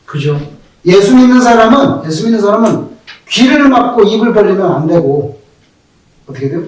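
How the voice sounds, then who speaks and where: A male pastor preaching a sermon, telling stories in an animated way and acting out the quoted speech of the people in them. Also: high voice, moderate pace. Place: church sanctuary. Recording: very echoey hall, voice from far off.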